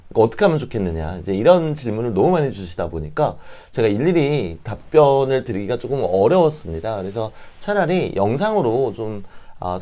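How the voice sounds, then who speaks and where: A man with a slightly hoarse, catching throat, explaining things politely and informally as an advisor speaking to parents. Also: lowish voice, mellow. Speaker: fortune-telling advisor, channel host. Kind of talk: informal explanatory talk to camera.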